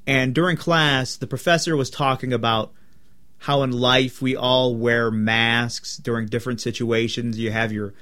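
A young man with a plain, mid-pitched voice, co-hosting a podcast while he is sick. He talks bluntly and crudely and teases his friend in loose, casual chat. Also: fairly even intonation, a little slow, bright, forceful tone. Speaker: podcast co-host.

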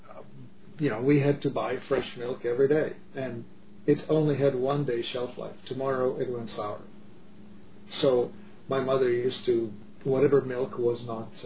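A man's voice: medium pitch, steady tone, measured pace. A middle-aged man from the Czech Republic, talking in an earnest, emphatic way with many restarts in a casual discussion. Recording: dull lo-fi audio with faint noise.

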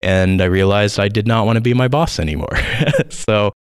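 A man's voice: fairly low pitch, normal speed, smooth, dry recording, studio quality. A man in his forties with a Southern Californian accent, a guest on an interview podcast, talking in an eager, rambling way with many fillers. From United States. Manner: enthusiastic, rambling with fillers and laughs. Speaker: guest educator.

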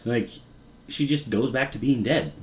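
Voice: medium pitch, a little slow. A podcast co-host in casual chat recapping a TV episode, opinionated and blunt, arguing points.

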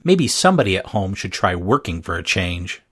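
A man's voice: low voice, very animated, a little fast, fairly bright tone, husky, exaggerated voice. A man voicing a bored, scornful middle-aged lunch lady who snaps and grumbles, in a storybook reading. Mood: grumbling. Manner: snappish, grumbling.

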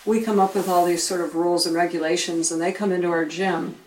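A woman's voice: lowish voice, fairly even intonation, fast, darkish tone, a little hiss or hum. A woman, a youth fitness coach, casually telling stories on a podcast and chuckling as she goes. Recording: roomy and distant from the mic.

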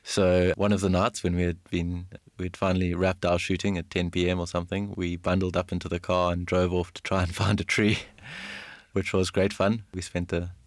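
Deep-voiced laughing man, dry close mic. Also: moderate pace, dry recording. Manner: laughs often, relaxed and self-deprecating. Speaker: podcast co-host, science engagement astronomer. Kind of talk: casual chat.

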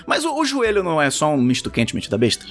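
A man from Salvador, making dry, quick remarks as a podcast co-host. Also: on the high side, wildly swooping pitch, fairly bright tone, faint music behind. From Salvador, Brazil. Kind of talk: casual chat.

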